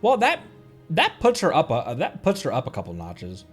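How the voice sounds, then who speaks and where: A man casually commenting as a livestream host, thinking aloud with halting, repeated and restarted phrases. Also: on the high side, huge pitch swings, husky, faint music behind. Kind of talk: casual game stream commentary.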